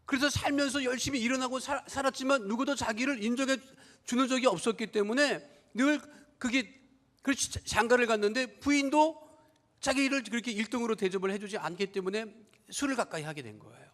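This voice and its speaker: In a large church hall, a pastor with a very high, fairly bright voice delivers a brisk sermon. He narrates a story and acts out the voices of family members he quotes.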